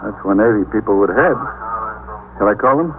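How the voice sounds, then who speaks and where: An actor as a respectful desk officer. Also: male voice, lowish voice, animated, fairly quick, lightly acted. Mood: deferential. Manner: respectful, deferential. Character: dutiful young police officer at the desk. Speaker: police officer. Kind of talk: 1950s radio drama acting. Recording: tinny old radio broadcast with faint hiss.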